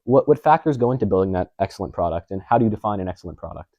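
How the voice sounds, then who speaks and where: Fast-talking interviewer with a mellow voice. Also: male voice, deep voice, expressive, no room sound, highs cut off. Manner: long, wordy questions full of setup. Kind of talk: interview questions.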